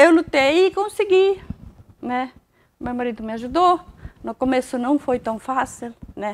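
With very wide pitch swings, a woman talks at a fairly slow pace. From western Santa Catarina, Brazil. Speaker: shop owner. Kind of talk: interview. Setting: in a store. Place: shop. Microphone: lapel.

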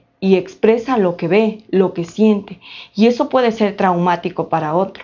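Using ordinary pitch variation, a woman speaks at a fairly slow pace. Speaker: university lecturer. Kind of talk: lecture. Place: studio.

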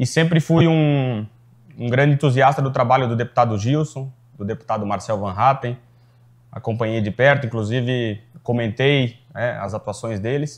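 The man keeps a medium pitch and a moderate pace, his pitch varying in an ordinary way. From Pomerode, Santa Catarina, Brazil; Santa Catarina, Brazil. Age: 30s. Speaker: political candidate; candidate. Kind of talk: political interview. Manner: halting, repeats words. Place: studio. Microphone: lapel.

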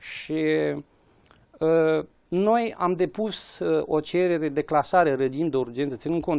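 A man's fairly high-pitched voice over a quiet background. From Romania, Caraș-Severin (Almăj area); Caraș-Severin, Romania. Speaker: heritage preservation association director; guest. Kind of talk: studio interview. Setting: TV studio. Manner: hesitant, with fillers. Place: studio. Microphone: lapel.

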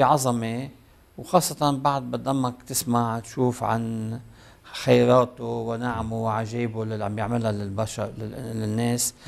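A man's intonation stays fairly even. He talks at a fairly slow pace. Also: medium pitch for a man. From Lebanon. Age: 60. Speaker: journalist. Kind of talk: interview. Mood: calm, reflective about faith. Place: studio. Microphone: lapel.

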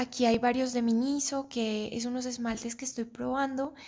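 A woman speaks at a fairly slow pace in a high voice, with a quiet background. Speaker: ASMR creator. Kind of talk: ASMR soft-spoken nail care talk. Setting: home, talking to camera while doing manicure. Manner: soft-spoken, relaxed. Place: home room.

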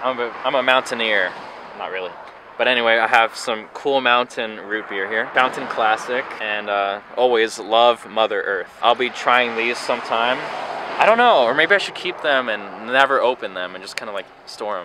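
A man's voice at a moderate pace, with ordinary pitch variation, dry sound with no echo, and noticeable background noise. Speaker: vlogger. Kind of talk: casual vlog chat. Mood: playful, upbeat. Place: street. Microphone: camera far.

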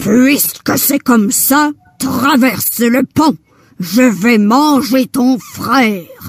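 In a put-on character voice, a female-sounding speaker growls at a high pitch and a very slow pace. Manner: growling, menacing.

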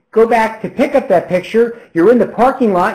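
A man with an American accent, high-pitched and animated, at a moderate pace with ordinary pitch variation against a quiet background. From US Northeast (New Jersey). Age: 50s. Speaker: customer experience consultant; webinar presenter. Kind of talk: webinar presentation. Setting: webcast. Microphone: webcam.

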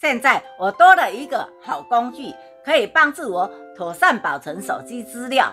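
A woman speaks at a fairly slow pace with a high pitch and very wide pitch swings. Her loudness swings a lot, with faint music in the background. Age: 70s. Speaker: grandmother tech vlogger. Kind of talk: sponsored product review talk to camera. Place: home room.

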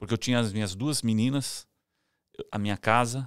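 In a dry sound with no echo and a quiet background, a man speaks at a moderate pace with fairly even intonation. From Brazil. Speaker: pastor. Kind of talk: casual chat. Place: studio. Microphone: studio mic.

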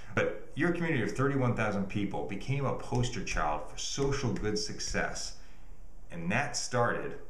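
Fairly slow speech from a man, in a room with audible echo. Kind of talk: casual vlog talk, like a motivational talk. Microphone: webcam.

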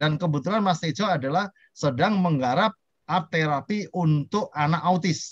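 A man speaks at a moderate pace in a high pitch with ordinary pitch variation, recorded with a dry, close sound and no echo. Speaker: art education expert. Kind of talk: lecture. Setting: video call. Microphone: choppy connection.

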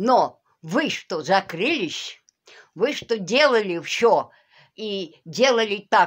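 Very slow delivery with very wide pitch swings against a quiet background. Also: woman. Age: 80s+. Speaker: pensioner. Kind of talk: public appeal to the authorities. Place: home room. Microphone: phone near.

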